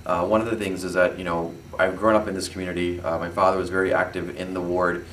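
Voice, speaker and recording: Deep-voiced man, earnest candidate. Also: level tone, quick pace, a bit bright, roomy sound, far from the mic, slight background noise, low-quality recording. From Chicago. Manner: earnest, peppered with "you know". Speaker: candidate for city alderman. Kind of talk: interview answers.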